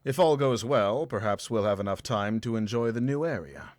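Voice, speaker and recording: A man's voice: on the low side, expressive, normal speed, darkish tone, dry recording, natural voice. A male actor playing a talkative, easygoing travelling companion in a fantasy game. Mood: friendly, chatty.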